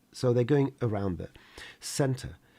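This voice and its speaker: On a very clean recording with a silent background, a man with a medium pitch and a dark, mellow tone sounds somewhat breathy and uses lively intonation. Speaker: 3D graphics tutor and livestreamer. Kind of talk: live tutorial. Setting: home studio livestream. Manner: halting, many fillers.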